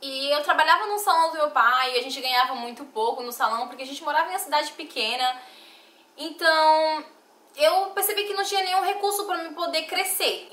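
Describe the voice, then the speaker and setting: A young woman from Bahia with a softened Bahian accent, telling her life story to viewers in a confiding, emotional vlog. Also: high-pitched, reverberant. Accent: softened Bahian Portuguese. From Bahia, Brazil. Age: young adult. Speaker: vlogger.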